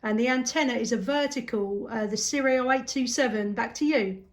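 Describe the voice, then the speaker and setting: A woman's voice: fairly high pitch, normal speed, heavy background noise. A woman with a southern English accent, chatting casually and appreciatively as an amateur radio operator. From southeast England. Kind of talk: casual radio contact chat.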